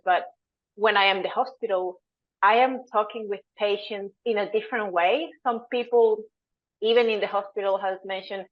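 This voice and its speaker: A woman's voice: mid-range voice, highs cut off. A woman in her thirties from Venezuela, answering as a dietitian guest in an interview. She explains things earnestly and sometimes searches for the right words.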